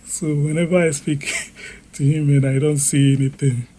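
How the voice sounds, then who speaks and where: A man giving his own opinion in a deliberate way, pausing often and using fillers. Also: fairly high pitch, flat delivery, mellow, a little hiss or hum. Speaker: interviewee. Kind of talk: unscripted personal opinion.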